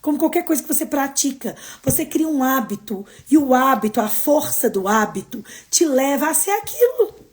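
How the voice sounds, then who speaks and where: Brazilian woman live-stream host, high register, expressive motivational chat. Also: normal speed. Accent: Brazilian Portuguese. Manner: expressive, swings between emphatic and soft. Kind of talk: casual motivational live talk.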